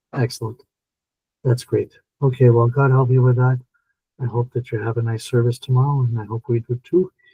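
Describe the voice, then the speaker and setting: Speaking at medium pitch, a man keeps a fairly quick pace and a somewhat breathy voice. His intonation is monotone and flat. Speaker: priest leading a reading group. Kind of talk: casual group discussion.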